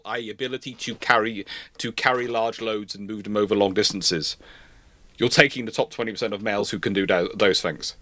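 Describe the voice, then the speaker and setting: A man with a bright, forceful voice in a dry, close recording. He talks in a casual panel style, emphatic and rambling, often circling back to rephrase his point. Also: on the low side, dry recording. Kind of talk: casual live panel chat.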